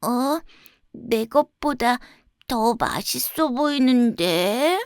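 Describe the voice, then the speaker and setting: A woman voicing a small, greedy, childlike stray puppy in a storybook, with slow, exaggerated delivery. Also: a little high, lively intonation, clean tone, no echo, studio quality, full character voice. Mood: surprised, curious.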